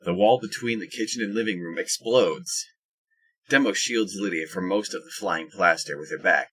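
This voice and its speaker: A man's voice: low voice, normal speed, fairly bright tone, husky. A man narrating a scripted audio drama as its storyteller.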